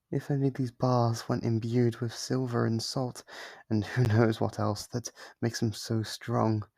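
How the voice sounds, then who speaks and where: A man voicing a lonely, clingy sealed demon who is sweetly manipulative, in an ASMR roleplay with soft-spoken, wheedling talk. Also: mid-range voice, no room sound, lightly acted. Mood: wistful.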